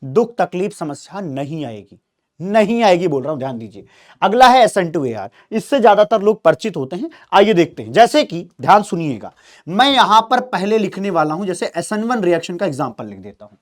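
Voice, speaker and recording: A man teaching chemistry in an exam-prep lecture, animated, prodding students with questions and speaking for the molecules in first person. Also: high-pitched, fairly quick. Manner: acts out molecules in quoted first-person voices.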